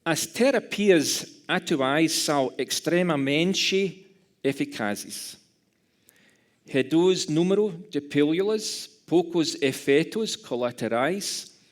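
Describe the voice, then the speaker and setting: Lecturing academically in Portuguese, his second language, this man from Scotland has an animated voice on the high side and a Scottish English accent. He speaks carefully and haltingly, correcting himself along the way, with a dry sense of humor.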